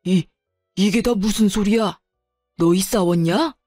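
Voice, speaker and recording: A woman voicing a stern middle-aged father-in-law who scolds slowly and firmly. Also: medium pitch, mellow, dry recording, soft background music.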